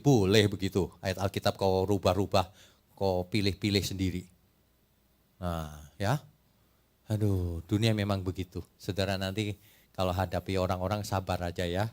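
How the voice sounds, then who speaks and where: A middle-aged man from Indonesia preaching a sermon as pastor, animated and teasing, firing rhetorical questions at the congregation and acting out quoted voices. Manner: acts out quoted voices in a higher pitch.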